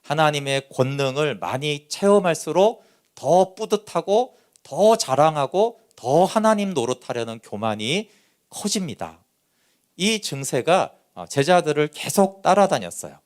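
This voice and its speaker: A man who is a pastor preaching a Sunday sermon, lively and conversational, often acting out what people said. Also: fairly high pitch, measured pace. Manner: animated preaching that acts out quoted speech.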